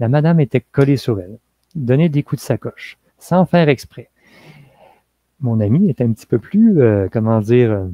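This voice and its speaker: A soft-spoken man with a Quebec accent, his tone dark and mellow at a medium pitch, lively in intonation, with long, frequent pauses and a dry, close sound with no echo. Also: moderate pace. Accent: Québécois French. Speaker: spiritual energy healer. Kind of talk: online conference talk. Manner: halting.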